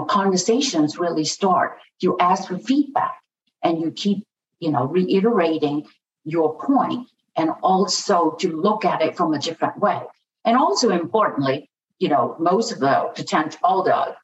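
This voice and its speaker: A woman speaking as a podcast guest, halting, with many fillers and restarts. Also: fairly low pitch, a little hiss or hum. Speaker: podcast guest, biotech partnering advisor. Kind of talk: conversational panel discussion. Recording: distant, echoey, dull remote audio.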